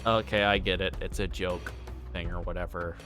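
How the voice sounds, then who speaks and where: A man livestreaming a game, reading aloud and chatting in a halting way, stumbling over words. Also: low voice, fairly even intonation, over music. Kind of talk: reading a visual novel aloud and chatting with stream viewers. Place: livestream with music playing behind.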